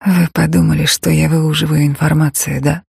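A man voicing a hushed, guarded East German woman. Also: fairly high pitch, level tone, normal speed, creaky, slightly rough, no echo, studio quality, heavily acted. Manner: soft, hesitant, breaking off mid-sentence.

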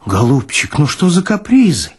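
A man's voice: fairly high pitch, wildly swooping pitch, normal speed, a little mellow, slightly rough, full character voice. A man voicing a fussy, wheedling, long-suffering doctor in an audiobook, plaintive and coaxing. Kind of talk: dramatized audiobook character reading.

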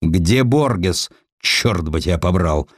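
Male reader as shrewd scrappy editor guy, emphatic, lowish voice, very animated, audiobook. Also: slow, dry recording, studio quality, heavily acted. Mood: furious. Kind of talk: audiobook character acting.

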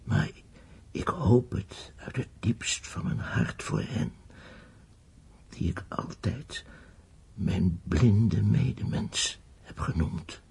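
A male actor in a radio play as an ailing, modest blind inventor, speaking haltingly with a breathy, coughing voice. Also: lowish voice, lively intonation, a little mellow, whispered, full character voice. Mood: moved, frail. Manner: halting, humble.

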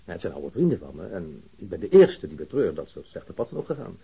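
A slippery male gangster in a radio drama, all evasive innocence. His very low voice is strongly husky and swoops expressively, with hesitant, smooth talk. The recording sounds slightly dull. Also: sing-song, fast talker, warm tone, exaggerated voice. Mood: feigned innocence. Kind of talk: Dutch radio drama acting.

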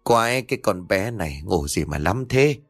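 A man voicing a level-headed middle-aged mother who doesn't believe in ghosts, talking in a brisk, matter-of-fact way. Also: on the low side, soft background music. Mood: scolding.

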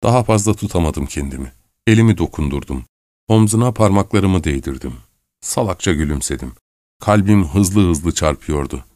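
Casting: male audiobook narrator, low and measured, dry close studio sound. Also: animated, a little mellow, dry recording. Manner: measured, introspective. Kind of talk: scripted literary narration.

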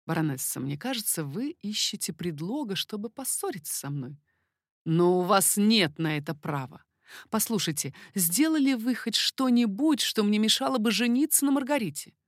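A woman voicing an amorous, confident king in a storybook reading, lowering her voice and speaking slowly and insistently. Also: expressive, dry recording, clean studio sound, lightly acted. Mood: ardent. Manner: low, slow, insistent. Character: amorous middle-aged man, a king, confident and ardent.

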